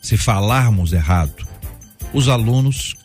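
A Brazilian man with a fairly low voice hosting a live radio debate show. He jokes, teases and talks over his guests. Faint music plays underneath. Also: expressive, unhurried, darkish tone. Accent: Brazilian Portuguese.

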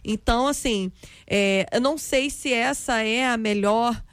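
Reflective woman, fairly high voice. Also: measured pace, clear, resonant tone, dry recording. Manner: reflective, with frequent fillers. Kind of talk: conversational faith talk.

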